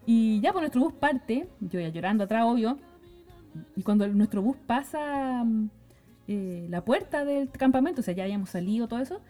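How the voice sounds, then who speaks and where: Fast-chatting Chilean woman, soft music behind. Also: on the high side. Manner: chatty, peppered with slang tags, quick and lively. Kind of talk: casual storytelling.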